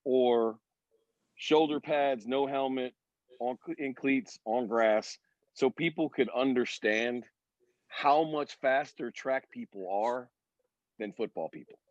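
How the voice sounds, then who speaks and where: A man's voice: mid-range voice, takes it slowly, no echo, lo-fi sound. A man in a casual sports panel chat, telling stories and explaining his points emphatically with frequent check-ins to his listeners. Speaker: former sprinter and decathlete on a sports talk panel.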